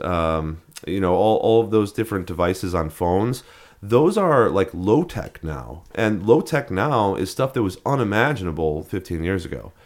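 A man co-hosting a podcast in casual chat, rambling with frequent restarts and fillers. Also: fairly low pitch. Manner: rambling, many restarts and fillers, laughs at odd names. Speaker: podcast co-host.

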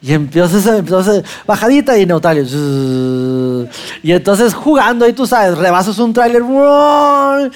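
A man with a Mexican accent telling a lively personal anecdote to an audience, acting out his own lines as he goes. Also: sits high.

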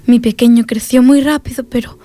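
A woman's voice: fairly high pitch, steady tone, brisk, mellow, natural voice. An actress playing the plaintive, tender spirit of a doting aristocratic mother in a comedy-drama. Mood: pleading confession. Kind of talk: scripted comedy-drama acting.

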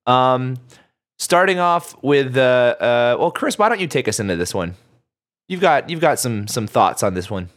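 A man's voice: medium pitch, normal speed. Chatty man hosting a podcast. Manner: relaxed, chatty, laughs often. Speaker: podcast host. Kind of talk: casual podcast chat.

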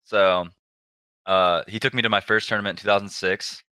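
A man in his twenties, a pro gamer guest, telling stories in a relaxed, low-key way with lots of fillers. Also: fairly quick, clear, resonant tone, dry recording, clean studio sound. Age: 20s. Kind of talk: casual interview storytelling.

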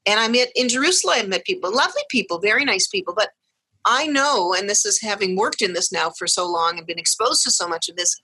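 Middle-aged woman, emphatic and reflective guest, husky dry-sounding voice. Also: mid-range voice, expressive, fast talker, pushed and bright, dry recording. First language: English. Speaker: podcast guest, parent of deaf children. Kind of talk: conversational storytelling.

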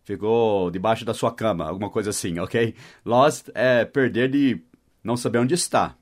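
A man's voice: on the low side, normal speed. A man hosting a short podcast lesson, explaining English words in casual Portuguese, spelling them out letter by letter and often checking in with "tá?" and "né?". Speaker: English teacher and podcast host.

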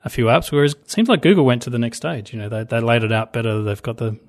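Brief: quick, chatty Australian guy in casual tech banter, mid-range voice. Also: mid-range voice. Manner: quick, chatty, repeats words.

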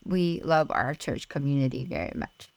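A woman's voice: very deep voice, big pitch swings, normal speed, vocal fry, dry recording. A woman in her forties, originally from Malaysia with Mandarin as her first language, speaking earnestly as a podcast guest. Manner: earnest and reflective, with light laughs. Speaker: podcast guest, Bible study writer. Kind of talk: casual interview conversation.

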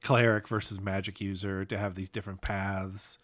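A man's voice: sits low, flat delivery, moderate pace, a bit bright, dry recording. Male co-host, easygoing, a bit congested, laughs easily, close dry sound. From New Hampshire. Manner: laid-back, laughs often. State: stuffy nose. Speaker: podcast co-host. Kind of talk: casual chat about games.

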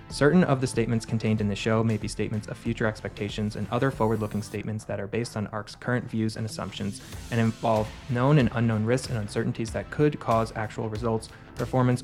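A man reading a scripted legal disclaimer quickly and formally, as an announcer. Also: on the low side. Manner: rapid, formal read-out.

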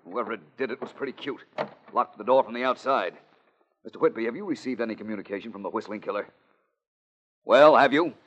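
An actor playing a confident, clever male detective who reasons things through crisply, in 1940s radio acting. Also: mid-range voice, fairly quick, pauses often, a bit bright, natural voice. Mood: probing. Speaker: amateur detective. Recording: dull old radio broadcast.

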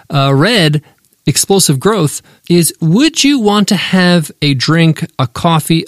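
A man hosting a business podcast, giving emphatic, animated advice and listing his points one by one. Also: a little high, no room sound, clean studio sound. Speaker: podcast host.

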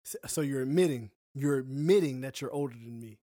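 A man's voice: medium pitch, a little fast, mellow, no echo, clean studio sound. A man co-hosting a podcast, chatting casually and joking with playful exaggeration. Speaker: podcast co-host.

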